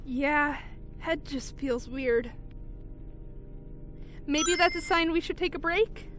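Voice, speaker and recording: A woman's voice: sits high, slow, a bit bright, faint music behind. A woman voicing an earnest, emphatic young cartoon heroine in a horror comic dub. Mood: dazed, uneasy.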